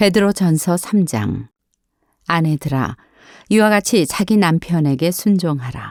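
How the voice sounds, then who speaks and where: Long, frequent pauses mark this very slow speech. The intonation is lively, on a very clean recording with a silent background. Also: woman, fairly low pitch for a woman. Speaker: retired broadcast announcer. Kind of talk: Bible reading.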